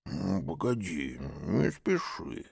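A man voicing a slow, easygoing male bear in an audiobook, mumbling hesitantly with drawn-out fillers. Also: deep voice, big pitch swings, darkish tone, no room sound, studio quality, full character voice. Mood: mumbling, placid. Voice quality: gravelly, husky. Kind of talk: audiobook character voice.

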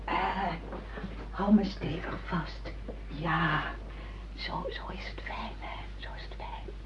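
Low, slow, coaxing seductive wife. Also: female voice, in a whisper, muffled recording. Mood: sensual, tender. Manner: slow, intimate, cajoling. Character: sensual, coaxing wife seducing her husband. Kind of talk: radio play acting in Dutch.

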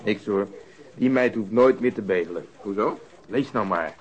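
An actor playing a gruff, impatient police detective in a radio drama, curt and dry with a husky voice. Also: male voice, on the low side, normal speed, faint music behind.

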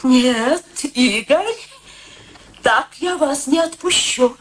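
A woman's voice: high-pitched, extremely slow, a bit bright, a little hiss or hum, full character voice. An actress playing an elderly, sentimental, pushy mother in a radio drama, talkative and solemnly theatrical. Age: older. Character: ailing, sentimental, pushy elderly mother matchmaking her daughter. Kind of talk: stage-like Russian radio drama acting.

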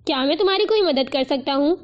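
A woman voicing a calm, concerned young man who speaks softly in a storybook reading. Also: high-pitched, lo-fi sound. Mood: gentle, concerned. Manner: soft-spoken, measured.

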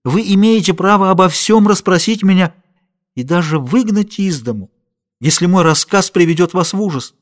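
Guy reading a novel doing a heartbroken young woman, teary, begging, pitched way up. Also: lively intonation, normal speed, lightly acted. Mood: tearful. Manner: pleading, sobbing, tearful. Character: young distraught woman, cursed and tearful.

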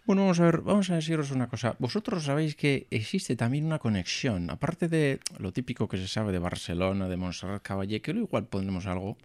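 A man's voice: mid-range voice, a little fast, few pauses, a little mellow, no room sound. A man, chatting and joking as a guest on a music radio show, swearing casually. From Spain, Basque Country. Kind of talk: humorous radio chat. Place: radio studio.

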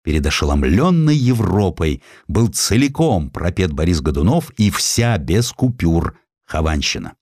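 A man narrating a historical literary sketch in an expressive, theatrical way with dramatic pauses, recorded close in a studio. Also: low-pitched, no room sound. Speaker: audiobook narrator. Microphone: close studio microphone.

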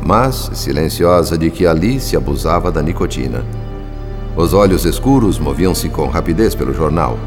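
An actor with a low-sitting voice plays a grave, observant male narrator describing spirit-world events in a radio drama. His delivery is literary and deliberate.

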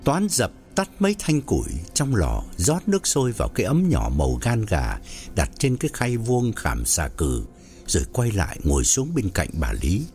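Expressive male storyteller. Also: on the low side, moderate pace, faint music behind. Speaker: narrator. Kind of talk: audio story narration.

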